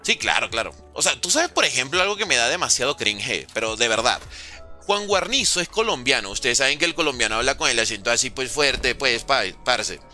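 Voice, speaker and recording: A young man with a Venezuelan accent softened by years in Mexico, casually chatting with viewers and answering their comments while he plays. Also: mid-range voice, big pitch swings, fast talker, faint music behind. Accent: Venezuelan Spanish softened by years in Mexico. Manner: chatty, slangy, answers viewers' chat aloud. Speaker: gaming streamer. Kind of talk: casual live-stream chat while gaming.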